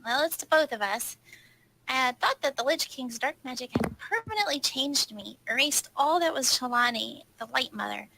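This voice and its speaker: A woman's voice: high-pitched, expressive, moderate pace, gravelly, sharp tone, slight background noise, heavily acted, poor audio. A woman playing an earnest, anxious female adventurer in a tabletop game. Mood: solemn reading. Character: worried, earnest female adventurer reading a friend's note.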